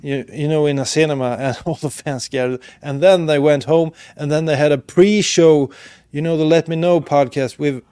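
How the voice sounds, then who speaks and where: A male podcast host from Sweden in casual live chat, rambling and trailing off into quiet asides. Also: on the high side, steady tone, moderate pace, hardly any pauses, smooth, no room sound, studio quality.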